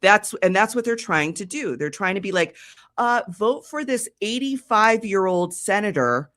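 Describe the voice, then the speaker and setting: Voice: medium pitch, expressive, normal speed, a bit bright. A co-host in casual chat, passionately political and swearing freely. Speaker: podcast co-host.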